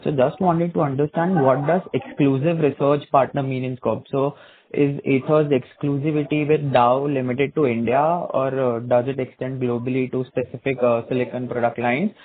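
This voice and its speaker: A man asking questions as a broking analyst on a conference call, in a slightly halting way. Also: mid-range voice, flat delivery, slight background noise. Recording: narrow phone-like call line.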